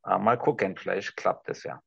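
A middle-aged man with a low, husky, gravelly voice and a restrained Berlin accent. He improvises a careful, halting address. The sound is dry and a little dull, like a video call. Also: steady tone, no echo. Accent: Berlin German, restrained toward High German. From Berlin, Germany. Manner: halting, careful articulation, searching for words. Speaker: discussion participant. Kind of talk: improvised speech to an imagined TV audience. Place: small room indoors. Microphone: video call, device at some distance.

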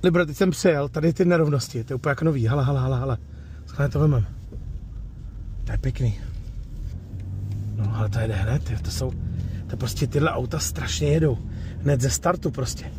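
A man's voice: mid-range voice, long pauses, noisy background. A man hosting a casual car vlog, talking informally through a walkaround and test drive at a used car lot. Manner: chatty, informal, tags sentences with "jo". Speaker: host of a car review channel. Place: outdoors at a used car lot, then inside a car.

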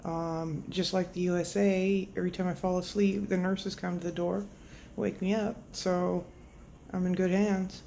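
Woman, middle-aged, dazed and groggy, halting casual delivery, creaky low-energy fry, faint noise behind. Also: flat delivery, mellow. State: groggy after general anesthesia. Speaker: patient vlogging after surgery. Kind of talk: casual video diary. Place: hospital bed indoors. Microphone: phone at arm's length.

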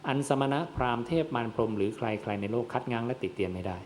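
Man, Buddhist monk, dharma sermon, middle pitch, asks and answers his own questions, faint noise behind. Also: fast, darkish tone.

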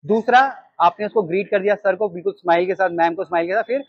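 A man in his thirties with an Indian accent, teaching restaurant staff how to take orders in an animated way. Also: sits high, quick pace, breathy edge, dry recording, lo-fi sound. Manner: animated, gestures while reading from a sheet. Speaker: restaurant trainer. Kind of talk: training talk. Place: storefront of a small takeaway, outdoors. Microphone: lapel mic.

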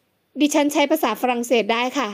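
Young nanny in a storybook, polite n unsure, asks lots of questions, high voice, a woman reading it. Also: fairly quick, lightly acted. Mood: polite, puzzled. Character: young woman hired as nanny, puzzled and frank.

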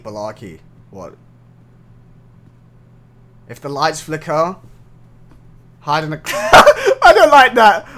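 A young man giving casual gameplay commentary, jumpy and laughing, swearing and yelping when startled. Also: a little high. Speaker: gaming streamer.

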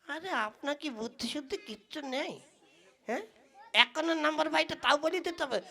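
A woman's voice: high voice, animated, a little fast, creaky, sharp tone, exaggerated voice. A woman playing a cheeky, greedy male tea seller who stalls and teases in an exaggerated comic puppet play. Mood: scolding, indignant. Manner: exaggerated, teasing, long-winded.

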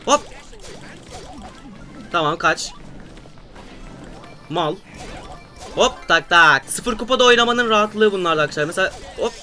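High, bright excitable young man gaming. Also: a little slow, long pauses, faint music behind. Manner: loud, playful, teasing, shouts on big wins. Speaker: gaming YouTuber. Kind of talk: excitable gameplay commentary.

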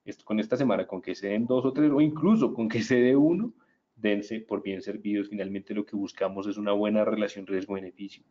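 A man talks viewers through a market analysis webinar in a chatty, upbeat way. His voice is warm and mellow. The audio sounds slightly dull and muffled, like an online stream. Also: on the low side, fairly even intonation, brisk. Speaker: trading analyst presenting a webinar.

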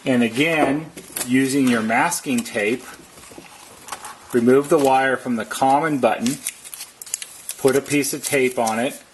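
A man's voice: mid-range voice, slow, long pauses, a little hiss or hum. A man narrating a step-by-step how-to as a technician, explaining plainly and methodically. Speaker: repair technician giving instructions.

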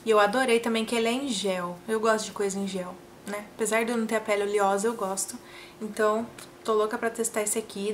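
A woman's voice: a little high, slight background noise. Chatty young woman showing products. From Brazil. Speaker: beauty vlogger. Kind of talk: casual haul chat to camera. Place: small room with makeup shelves, indoors.

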